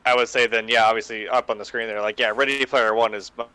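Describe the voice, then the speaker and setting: Bright, crisp-voiced man chatting casually. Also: mid-range voice, steady tone, quick pace, no room sound, poor audio. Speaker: podcast panelist. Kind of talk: casual chat.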